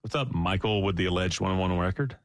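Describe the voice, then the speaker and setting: A man's voice: sits low, fast, no echo, clean studio sound. A man bantering on radio as a contestant, distracted and wisecracking. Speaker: radio co-host playing contestant.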